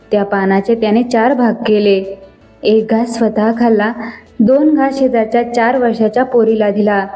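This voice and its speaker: A woman telling a scripted story in an expressive, measured narration. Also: on the high side, low-quality recording.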